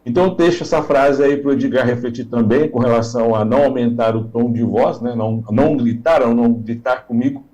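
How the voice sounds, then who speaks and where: A man's voice: mid-range voice, fairly quick, hardly any pauses, warm tone, muffled recording. A Brazilian man sharing his views as a panelist on a radio talk show, earnest and thoughtful. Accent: Brazilian Portuguese.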